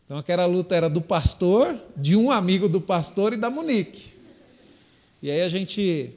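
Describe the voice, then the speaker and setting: An older pastor gives a sermon as a long testimony. His voice sits a little high for a man, and he talks to the congregation directly, repeating phrases as he goes. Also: animated, moderate pace, darkish tone. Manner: storytelling, addresses the congregation as dear ones, repeats himself.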